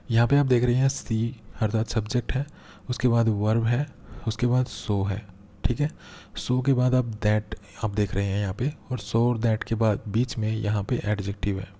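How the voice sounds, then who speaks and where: A man teaches a grammar lesson in a low, mellow voice. He explains patiently, repeating each step, and slows right down when he reads an example sentence aloud. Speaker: English teacher.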